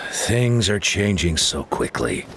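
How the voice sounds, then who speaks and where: A man playing a grave older tribal chief in a video game, speaking in a measured, formal way. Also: lowish voice, lively intonation, sharp tone, a little hiss or hum, full character voice. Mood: worried. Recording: music behind the voice.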